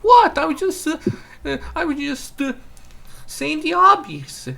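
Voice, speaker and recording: A man putting on a squeaky Princess Bubblegum. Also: lively intonation, a little slow, creaky, pushed and bright, full character voice. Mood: flustered. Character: candy princess, young woman, flustered and evasive.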